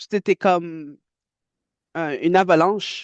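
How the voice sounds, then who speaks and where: Against a quiet background, a woman speaks at a very slow pace. Her pitch variation is ordinary. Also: dry, close sound with no echo. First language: English (speaking French). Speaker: background actor. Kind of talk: casual anecdote in an online chat. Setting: video call. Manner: halting, many hesitations.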